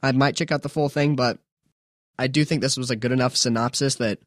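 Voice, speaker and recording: A man's voice: mid-range voice, steady tone, a little fast, no room sound. Chatty young man on a dry mic. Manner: chatty, self-mocking, rambling with restarts. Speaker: podcast host. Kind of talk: casual solo podcast talk.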